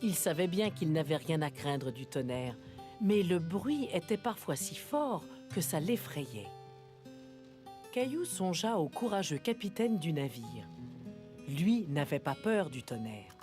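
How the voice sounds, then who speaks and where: A woman narrating a children's cartoon as a gentle storybook storyteller in French. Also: low voice, big pitch swings, unhurried. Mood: storytelling. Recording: clear music bed behind.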